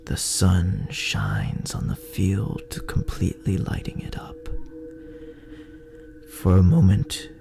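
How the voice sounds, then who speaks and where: A man narrating a second-person sci-fi horror story in an ominous, dramatic way, his gravelly, breathy voice often sinking toward a whisper. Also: sits low, very animated. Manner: ominous, drawn-out, dramatic phrasing. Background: music.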